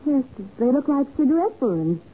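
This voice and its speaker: An actress playing a curious, lightly skeptical American detective's assistant in a 1940s radio drama. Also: female voice, sits high, normal speed, phone-quality sound. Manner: inquisitive, expressive, lightly skeptical. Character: curious, questioning young female detective's assistant. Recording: scratchy band-limited 1940s radio recording.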